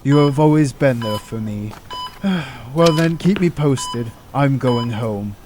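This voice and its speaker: A man's voice: mid-range voice, animated, slow pace. A man voicing a weary, embittered middle-aged doctor in an audio drama, downcast and dramatic. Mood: defeated, bitter. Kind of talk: amateur audio drama acting.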